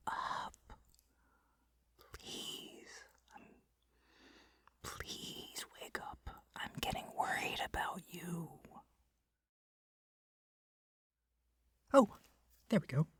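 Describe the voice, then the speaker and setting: A man performing an ASMR roleplay as a doting, awkward, possessive young male kidnapper, speaking softly and hesitantly. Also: high voice, animated, very slow, pauses often, husky, no room sound, full character voice. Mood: worried, tender. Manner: soft, hesitant, rambling, often dropping to a whisper. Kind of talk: ASMR roleplay addressed to the listener.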